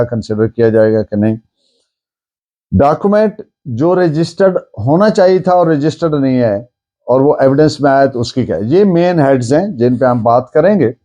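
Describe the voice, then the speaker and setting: A man with a Pakistani accent giving an explanatory law lecture, deliberately repeating and rephrasing key points. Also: medium pitch, dark tone.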